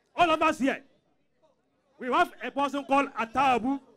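A man's extremely high-pitched voice with a Ghanaian accent, bright and sharp in tone, at a fairly quick pace with ordinary pitch variation. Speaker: local resident speaking at a forum. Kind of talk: public comment at a town hall. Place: street. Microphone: handheld.

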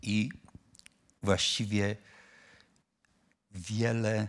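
The speaker is a man. His voice is fairly low in pitch. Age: 70s. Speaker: photographer and book author; guest. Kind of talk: public talk interview; interview answer. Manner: halting. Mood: calm, reflective. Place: studio. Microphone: handheld.

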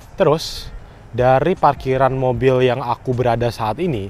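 A man's moderate-paced speech comes through a dry sound with no echo, with music in the background. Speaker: travel vlogger. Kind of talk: casual vlog chat. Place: street. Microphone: phone near.

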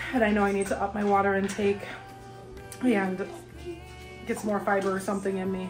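A woman at a moderate pace over clear music in the background. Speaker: vlogger. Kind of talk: casual vlog chat. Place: kitchen. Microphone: phone near.

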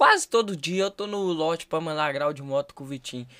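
With lively intonation, a man talks over a quiet background. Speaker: social media influencer. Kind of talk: casual chat. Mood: relaxed, joking. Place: studio. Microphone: studio mic.

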